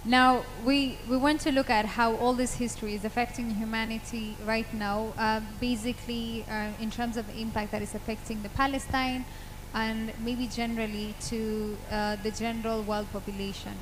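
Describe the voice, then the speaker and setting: A woman's voice: fairly high pitch, level tone, moderate pace. A woman hosting and moderating a talk show discussion. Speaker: host. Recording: echoing hall, noisy background.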